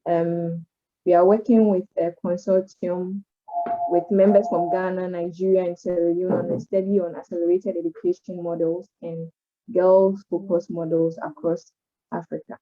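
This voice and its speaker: A woman researcher gives a brief, matter-of-fact introduction in a low and even voice. The video call audio is dull and lo-fi. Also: normal speed. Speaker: education researcher. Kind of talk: self-introduction.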